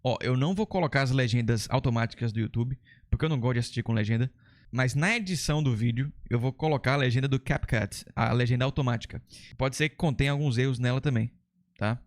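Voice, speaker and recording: A man's voice: medium pitch, fast. A man from Brazil with a Brazilian Portuguese accent hosting a casual lesson, explaining things step by step in a chatty, enthusiastic way. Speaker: English teacher and channel host.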